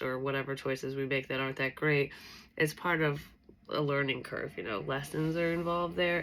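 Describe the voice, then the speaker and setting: A woman's voice: sits low, a bit bright. A woman giving a casual tarot reading to her viewers, sounding stuffy and nasal from allergies, rambling with lots of fillers. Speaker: tarot reader.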